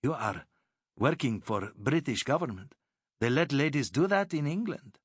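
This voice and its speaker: A man's voice: mid-range voice, animated, moderate pace, breathy edge, no room sound, clean studio sound, pitched above the performer's own voice. A man voicing a shrewd, proud Arab boat captain who speaks formal, broken English with courtesy.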